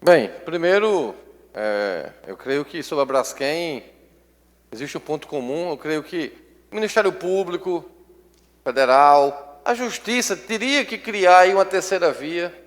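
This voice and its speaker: A legislator with a high voice weighs his words, stopping often. The delivery is measured rather than forceful. A long reverb from the assembly hall hangs behind him. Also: animated. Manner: measured, hesitant, with many pauses. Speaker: state legislator. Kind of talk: parliamentary floor speech.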